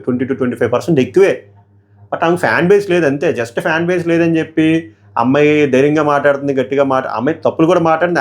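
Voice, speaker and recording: A young man with a slightly high voice, hoarse from shouting, argues his points hotly. He fires questions straight at his viewers and presses his opinions hard. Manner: heated, argumentative, asks viewers questions. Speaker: show reviewer. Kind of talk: opinionated episode review.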